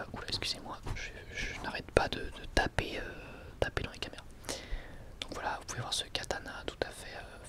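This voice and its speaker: In his ASMR video, the male host delivers a halting product review entirely in a breathy, unvoiced whisper. He stays close to the microphone and keeps a wry, sarcastic tone.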